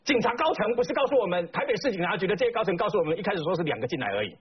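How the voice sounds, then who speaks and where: A man's voice: high-pitched, very animated, racing, noisy background. A man with a Taiwanese Mandarin accent giving indignant talk show commentary, full of emphatic rhetorical questions. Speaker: political commentator. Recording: slightly dull broadcast audio.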